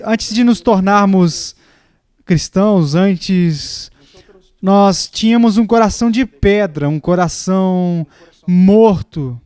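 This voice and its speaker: A man voicing a dubbed sermon, emphatic and deliberate, pausing often and repeating key words. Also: high voice, a little mellow, dry recording. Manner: emphatic, with deliberate pauses and repetition. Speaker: preacher's voice in a dub.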